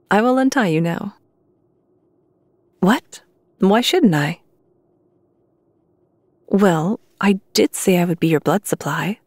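A woman acts out a devoted female vampire hunter in an intimate ASMR roleplay. She speaks slowly and softly, with hesitant, earnest pauses. The voice is close on the mic and very dry, at a middling pitch. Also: no echo. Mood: relieved, resolute. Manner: hesitant, pleading, soft confessional delivery with pauses. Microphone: close microphone, dry recording.

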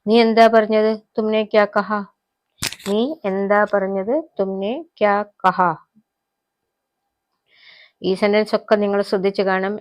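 A woman's voice: mid-range voice, vocal fry, no echo, muffled recording. Woman teaching Hindi. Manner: repeats each phrase slowly, then explains. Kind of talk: spoken language lesson.

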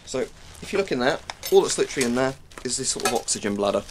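A British man in his twenties races through an informal, rambling explanation while demonstrating gear for his military gear reviews. His mid-range voice has lively intonation, and the recording, made in a small cluttered room at home, is clearly noisy.

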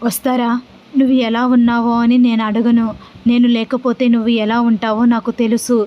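A woman voicing a calm young man reassuring his father and wife over the phone. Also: a little high, normal speed, lo-fi sound, lightly acted.

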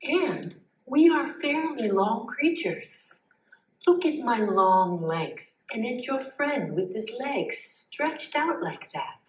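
A woman voicing a slow, curious snake. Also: fairly high pitch, lively intonation, noisy background. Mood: musing. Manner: slow, thoughtful, politely questioning. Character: calm curious green snake, gentle and inquisitive. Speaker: puppeteer. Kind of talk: live puppet show. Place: stage. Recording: roomy sound from a distance.

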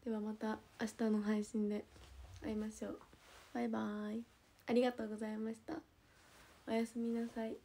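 Young woman w/ a nagoya accent, casual stream chat, mellow tone, laid-back, drifts quiet at the ends. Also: on the high side, a little fast, pauses often. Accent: Nagoya dialect. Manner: relaxed, chatty, trails off softly at phrase ends. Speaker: idol livestreamer. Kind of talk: casual livestream chat with viewers.

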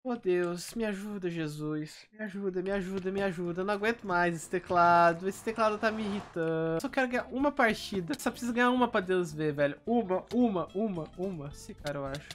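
A young man with a Brazilian Portuguese accent giving live gameplay commentary, constantly complaining in an exasperated way and now and then bursting into shouts. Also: high-pitched, brisk, few pauses, a little hiss or hum. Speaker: gaming youtuber.

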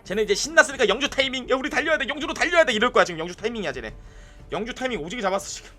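Young male game streamer with a high, lively, swooping delivery. Excitable, breaks into shouts at teammates, and chats with viewers between plays. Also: racing, faint music behind. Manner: excitable, yelling bursts at teammates, chatting to viewers. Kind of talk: live gameplay commentary.

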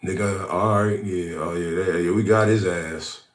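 A man in his thirties with a fairly low voice hosts a prank call show. He talks in loose slang, often stumbling and repeating phrases. He is close to a phone mic in a small room. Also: steady tone, reverberant. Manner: halting, repetitive, street-slang talk. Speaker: prank caller, show host.

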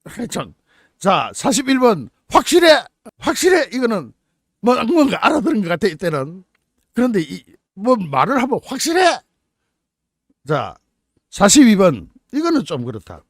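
A man's voice: high voice, sing-song, moderate pace, no room sound, clean studio sound. A man hosting his own channel, giving solo commentary in a sarcastic, incredulous way with many rhetorical questions. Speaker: channel host. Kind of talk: solo commentary reading out and mocking phrases.

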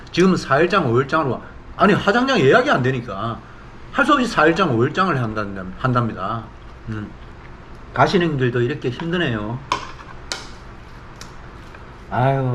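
A middle-aged man talks casually as he eats, now and then with his mouth full. His pitch is mid-range but moves in lively swings, with expressive exclamations. Faint ambient noise sits behind him. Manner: expressive, exclaiming while savoring food. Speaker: mukbang host. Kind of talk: casual eating-show chat.

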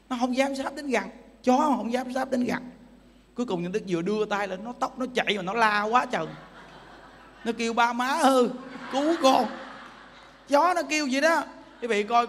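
A Buddhist monk preaches with a bright, forceful, very high voice. He keeps pressing his listeners with emphatic rhetorical questions. His words ring out with a long reverb, as if in a large hall. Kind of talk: sermon.

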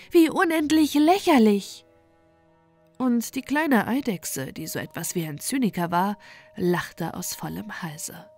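A woman storyteller reads a bedtime fairy tale in a calm, hushed voice, often sinking to a near whisper. Soft music drifts faintly behind her. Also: medium pitch, husky.

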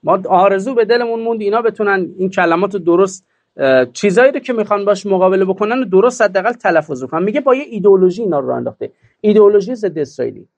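A man's voice: high-pitched, expressive, a little mellow, muffled recording. A man delivering a political commentary monologue, emphatic and mocking, full of rhetorical questions.

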